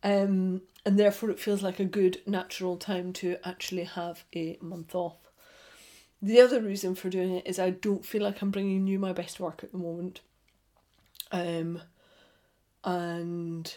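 A woman with a Scottish accent and a dark, mellow tone speaks at medium pitch and a moderate pace, her intonation monotone and flat, with long, frequent pauses and big swings in loudness. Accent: soft Scottish. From Scotland. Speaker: podcast host. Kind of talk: casual chat.

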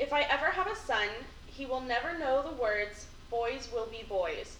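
A woman speaks at a fairly slow pace with a high voice and very wide swings in pitch. Noticeable background noise runs behind her. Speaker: podcast co-host. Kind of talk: casual chat, poetry guessing game.

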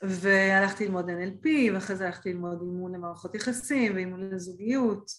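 A plain, everyday voice moves at a moderate pace with ordinary pitch variation. There are hardly any pauses. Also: woman, medium pitch for a woman. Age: 50s. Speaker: divorce coach. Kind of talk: interview.

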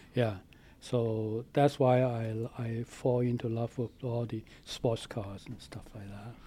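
A man with a medium pitch and a dark, mellow tone speaks at a very slow pace. His intonation is monotone and flat, with big swings in loudness. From Hong Kong. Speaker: car enthusiast, host's father. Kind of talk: interview. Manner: halting.

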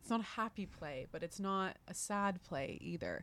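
Speaking very slowly with a Canadian accent, a woman uses a fairly low pitch. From Canada. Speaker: stage actress. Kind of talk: casual interview chat. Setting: bar. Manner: halting, many fillers.

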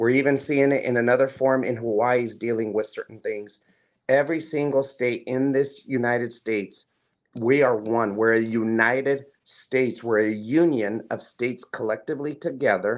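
With an American accent, a man talks at a moderate pace and medium pitch with fairly even intonation, a plain, everyday voice. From Texas. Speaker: urologist and pastor. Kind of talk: interview.

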